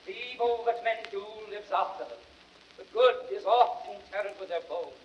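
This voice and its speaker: An actor playing a grieving, slyly ironic Roman orator, delivering a measured, impassioned speech in classical Shakespearean radio-drama style. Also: male voice, high-pitched, expressive, a little hiss or hum. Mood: rousing. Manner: declamatory, measured, rhetorical. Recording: dull vintage record sound.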